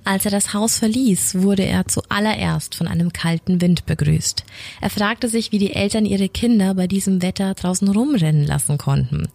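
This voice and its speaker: Woman reading a creepy story, low gravelly husky voice, dry close mic. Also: normal speed, darkish tone, dry recording. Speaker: co-host reading horror stories. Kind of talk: scripted narration.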